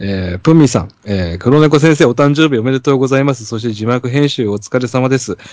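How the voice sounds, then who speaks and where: A man speaks at a fairly quick pace with hardly any pauses. His pitch is medium, with ordinary pitch variation. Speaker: podcast host. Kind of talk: casual chat. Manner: filler-heavy, halting.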